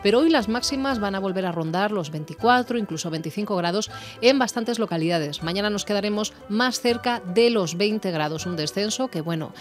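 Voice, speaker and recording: A woman presenting the radio weather forecast in a measured, steady way. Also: medium pitch.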